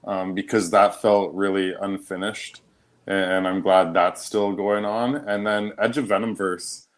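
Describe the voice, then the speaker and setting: Amused male podcast guest, slightly low voice. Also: measured pace. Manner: relaxed, amused, laughs often. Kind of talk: casual chat.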